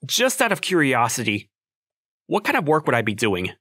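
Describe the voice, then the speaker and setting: A man's voice: mid-range voice, moderate pace, heavily acted. A man voicing a flustered, skeptical young office worker in a manga dub, sounding incredulous and given to inner narration. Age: young adult. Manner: exasperated, incredulous, animated.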